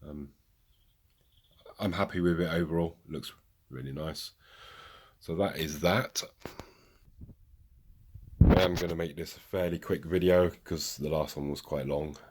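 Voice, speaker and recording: A man's voice: rumbling low, fairly even intonation, a little slow, long pauses, darkish tone, slight background noise. A man casually talking through progress on his model railway, chatty and joking at his own expense, recorded in a hobby room on a camera mic. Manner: chatty, self-joking, rambling asides.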